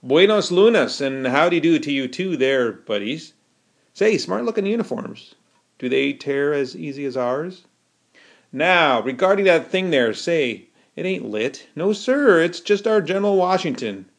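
Man voicing a cheeky folksy American lad, pitched up. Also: expressive, unhurried. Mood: breezy. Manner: folksy slang, wheedling. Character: cheeky, folksy young American boy soldier, glib.

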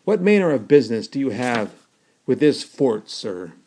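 A man's voice: medium pitch, very animated, moderate pace, darkish tone. A man voicing a blustering army sergeant guarding a fort gate, wary and demanding.

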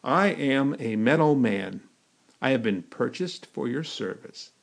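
A man's voice: mid-range voice, lively intonation, measured pace, creaky. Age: adult. Figure: a man voicing a courtly clockwork metal man. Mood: stiff, courtly. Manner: stiff formal politeness. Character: male clockwork metal man, courtly, eerie, coal-hungry.

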